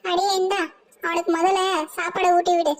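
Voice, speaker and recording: Bossy old cartoon granny, high shrill voice, scolds and nags. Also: female voice, level tone, brisk. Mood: scolding. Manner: scolding, nagging, rustic. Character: older grandmother, bossy and scolding mother-in-law.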